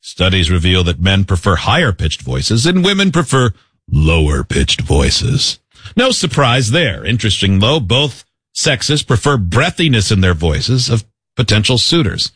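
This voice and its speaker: A man's voice: fairly low pitch, big pitch swings, measured pace, fairly bright tone, slightly rough, no echo, studio quality. A man hosting a radio show, joking and laughing through casual banter with his co-hosts.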